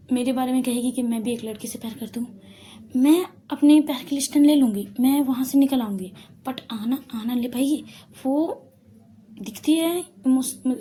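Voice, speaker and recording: A woman's voice: on the high side, warm tone, a little hiss or hum, close to an everyday voice. A woman voicing a playful young woman who teases her friend and worries earnestly for her sister.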